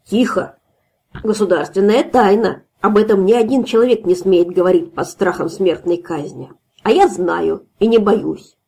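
A drunken, swaggering male guard with a slurred, taunting way of speaking, as a woman reads him aloud. The voice has a gravelly, husky edge. He boasts and jeers from an audiobook fairy tale. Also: medium pitch, normal speed, dark tone. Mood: drunk boastful.

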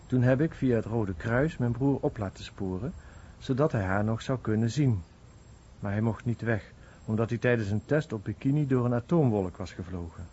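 A man's voice: medium pitch, mellow, natural voice. A man giving a plain narrative voice-over of family memories in a radio documentary. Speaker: voice-over translator. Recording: dull radio recording with background noise.

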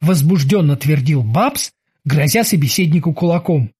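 A man with a husky voice reading an audiobook as an animated storyteller. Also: fairly high pitch, normal speed. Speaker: narrator. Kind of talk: audiobook narration.

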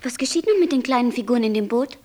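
An actress playing a naive, questioning black angel in a German radio play, simple, wondering and gently reproachful. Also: female voice, fairly high pitch, expressive, quick pace. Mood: troubled wondering.

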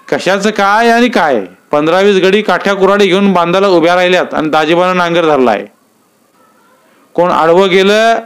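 A man's voice: high voice, smooth, voice pushed up. A man voicing anxious rural villagers with rustic, worried speech.

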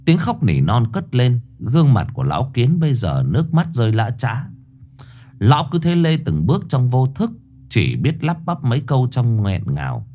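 A man telling a ghost story with a suspenseful delivery. His pitch is mid-range but moves a lot, and a faint noise sits underneath his voice. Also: normal speed. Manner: expressive, suspenseful. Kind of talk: dramatic horror story narration.

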